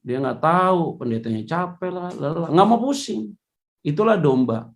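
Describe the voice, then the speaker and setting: A male pastor preaching a lively sermon, acting out the voices of church members and people he quotes. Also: a little high, moderate pace, creaky. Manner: animated, acts out voices of congregants and quotes.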